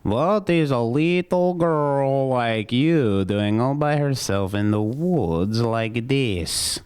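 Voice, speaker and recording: A man's voice: medium pitch, slow pace, darkish tone, clean tone, natural voice. A man playing a sly, mocking big bad wolf in a children's storybook tale, drawling and taunting. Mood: mocking menace.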